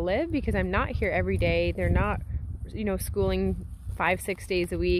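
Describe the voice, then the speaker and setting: A woman is heard against noticeable background noise. The sound is dry, with no echo. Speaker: horse trainer showing boarding farm. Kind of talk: casual vlog chat. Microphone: phone near.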